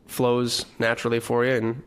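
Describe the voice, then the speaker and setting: A man's voice: medium pitch, monotone, moderate pace, clear, resonant tone. A man hosting a podcast interview who asks long, rambling questions full of fillers. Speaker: podcast host.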